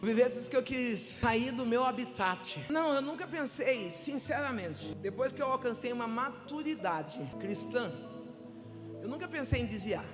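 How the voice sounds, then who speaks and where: A woman pastor with a Brazilian Portuguese accent preaching a sermon, building up to shouted, fervent calls and speaking in tongues, recorded live in a church. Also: on the high side, expressive, unhurried. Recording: live church reverb with music. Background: music.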